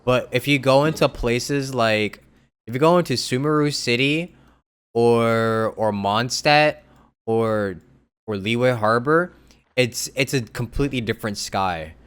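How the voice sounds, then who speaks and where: A man's voice: medium pitch, measured pace, fairly bright tone, clear, resonant tone. A young man giving casual, informal live commentary as he streams a game, reacting aloud.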